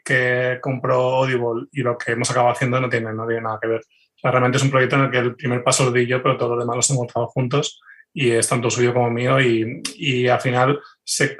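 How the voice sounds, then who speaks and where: A man speaking as a guest in a casual interview, halting and rephrasing as he explains. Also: medium pitch, a bit bright. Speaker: guest, audio fiction writer. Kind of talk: casual conversational interview answers.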